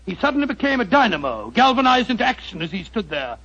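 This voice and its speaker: A bluff, high-voiced Doctor Watson. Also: male voice, sing-song, fast, pushed and bright, full character voice. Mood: narrating. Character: Doctor Watson, genial loyal male companion. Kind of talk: 1940s radio acting. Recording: muffled old radio broadcast.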